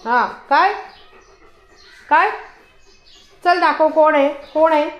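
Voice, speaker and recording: A woman, vlogging at home and scolding her pet dog in a loud, chiding way. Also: high voice, slow, background noise. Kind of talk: casual home vlog.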